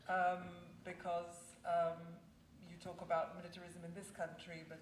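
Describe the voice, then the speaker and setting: A woman's voice: on the low side, completely flat delivery, moderate pace, slight background noise. A woman from Israel giving a conference talk, thoughtful and hesitant, with many ums and restarts. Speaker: conference speaker. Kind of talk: public talk. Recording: echoey room, mic at a distance.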